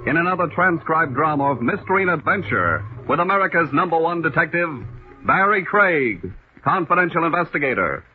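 A man's voice: a little high, very animated, a little fast. A man announcing a 1950s radio mystery program in a theatrical, emphatic manner. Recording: muffled 1950s radio recording with music.

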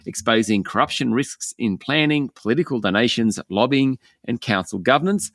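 An Australian man presenting a scripted market news bulletin, briskly and with emphasis as he opens each item. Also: medium pitch, creaky, dry recording, clean studio sound.

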